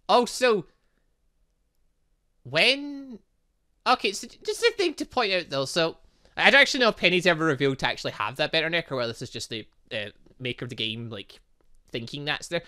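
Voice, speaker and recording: A gaming streamer with a slightly high, sharp voice gives let's-play commentary on the game he's playing. He rambles, cutting himself off with chuckling asides.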